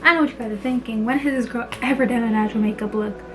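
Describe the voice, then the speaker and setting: A woman's voice: fairly high pitch, steady tone, very fast, music in the background. A young woman chatting playfully through a casual makeup tutorial in a bedroom, her speech slightly slurred by a retainer. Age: young adult. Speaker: beauty vlogger. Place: small bedroom indoors.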